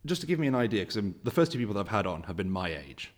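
A man's voice: lowish voice, sing-song, racing, in a large hall. A man hosting a casual interview podcast, chatty and rambling, with lots of restarts in his questions. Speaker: podcast host.

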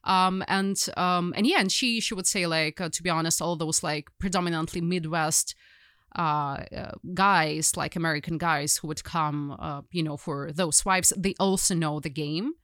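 A woman's voice: low voice, normal speed, fairly bright tone, no room sound, studio quality. A young woman with a Ukrainian accent, a journalist guest telling her story in casual conversation, rambling with many fillers and restarts.

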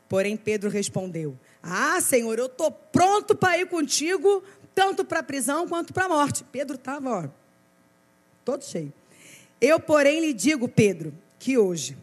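A woman pastor with a Brazilian accent delivers a sermon, her voice pitched somewhat high. She preaches in a lively, chatty manner and keeps checking in with her listeners. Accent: Brazilian Portuguese. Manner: lively, conversational preaching with rhetorical asides.

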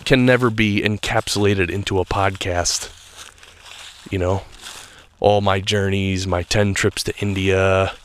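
A man's voice: sits low, level tone, unhurried, clear, resonant tone. Stuffed-up man musing while walking. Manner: earnest, reflective, loose talk with restarts. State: stuffed up, a little nasal. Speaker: podcast host. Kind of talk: solo spiritual podcast monologue. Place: walking outdoors in a state park.

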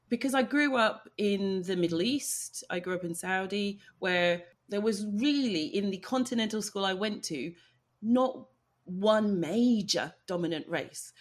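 A woman from Nigeria hosting an interview podcast, telling her story in a reflective, conversational way. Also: mid-range voice. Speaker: podcast host.

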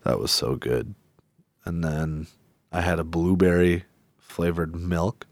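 A man chatting casually as a podcast co-host, enthusiastic and quick to laugh. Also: low voice, no echo. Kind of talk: casual chat.

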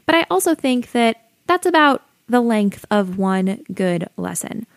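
A young adult woman with a soothing voice, hosting her own podcast and calmly giving friendly advice like a teacher. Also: fairly high pitch, a little slow, creaky, dry recording. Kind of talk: solo educational podcast talk.

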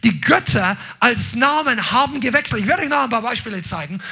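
A man preaching a sermon with passion, swinging between loud declarations and quick, quiet asides, now and then dropping in English words. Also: very high-pitched, expressive, vocal fry, breathy edge.

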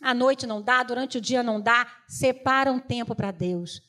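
A middle-aged woman from Brazil, preaching a lively, joking sermon to a congregation and telling stories from family life. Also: fairly high pitch, normal speed. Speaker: women's preacher. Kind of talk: humorous sermon.

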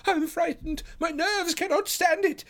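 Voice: very high-pitched, very animated, a little fast, voice pushed up. A narrator voicing a timid, nervous, helpless man close to blubbering, in an audiobook story. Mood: terrified. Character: timid, nervous, fretful man on edge of tears.

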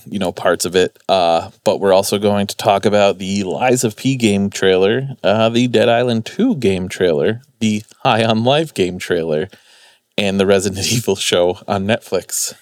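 A man's voice: fairly low pitch, dry recording, studio quality. A man hosting a podcast in casual, informal, unpolished chat. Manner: informal, sweary. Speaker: podcast host.

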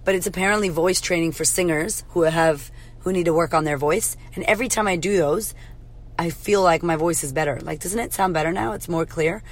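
A woman hosts a podcast in a casual, punchy monologue, her voice husky and a little hoarse. She sits slightly low in pitch and swears freely as she urges listeners to know their worth. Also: brisk. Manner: blunt, swears freely, motivational. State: hoarse from karaoke. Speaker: podcast host, confidence coach. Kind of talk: casual pep-talk monologue.

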